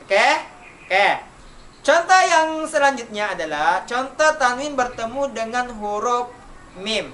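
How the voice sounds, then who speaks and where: A man teaching children Quran recitation rules in an online lesson, asking questions and answering them himself and chanting the examples slowly. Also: very high-pitched, lively intonation, bright, forceful tone. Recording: distant mic, faint background noise.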